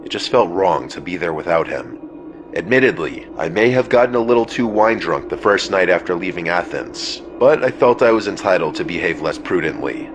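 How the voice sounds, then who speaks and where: A man reading a first-person horror story as scripted narration, in a measured, somber way that slows and drops low at the ends of phrases. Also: over music. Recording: steady ambient noise bed under the voice.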